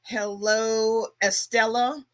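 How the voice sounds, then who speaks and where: A woman's voice: a little high, flat delivery, slow, fairly bright tone. A middle-aged woman from Brooklyn hosting a casual livestream, chatting and greeting viewers by name. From Brooklyn, New York. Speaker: travel agency owner and livestream host.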